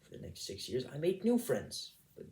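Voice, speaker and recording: A man playing a wounded, bitter gay son in a dramatic confessional monologue, speaking in hushed, breathy, halting phrases. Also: medium pitch, wildly swooping pitch, pitched above the performer's own voice. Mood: bitter, desperate. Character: wounded young gay son, solemn and bitter, recalling rejection. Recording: quiet voice with noticeable noise, clicks.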